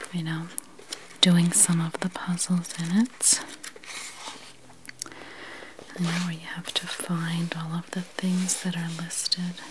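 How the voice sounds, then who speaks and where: Speaking softly at a very slow pace, this voice leaves long, frequent pauses over noticeable background noise. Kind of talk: casual vlog chat. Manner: soft, quiet ASMR speaking voice. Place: home room.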